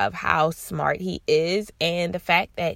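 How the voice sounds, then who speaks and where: A woman with a fairly low pitch uses an ordinary speaking voice and fairly even intonation in a very clean recording with a silent background. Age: 20s. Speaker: podcast host and author. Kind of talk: casual solo podcast monologue. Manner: casual, conversational.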